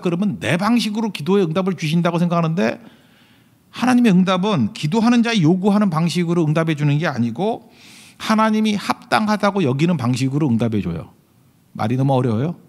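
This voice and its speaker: Animated male pastor preaching. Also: fairly high pitch, fairly quick. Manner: animated, joking, mimics biblical figures. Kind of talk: sermon.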